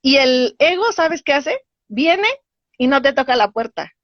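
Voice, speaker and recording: A woman, a spiritual teacher explaining ideas in a lively way and acting out little dialogues. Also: high-pitched, measured pace, no room sound. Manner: animated, acts out voices in dialogue. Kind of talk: teaching talk. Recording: dull lo-fi dry sound.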